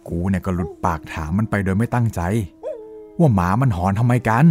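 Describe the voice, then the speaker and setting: A man voicing a rough-talking village man who tells of a ghostly encounter with blunt, coarse speech. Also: fairly low pitch, brisk, faint music behind, natural voice. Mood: uneasy recounting. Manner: lively storytelling, rising and falling. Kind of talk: Thai audio-drama storytelling.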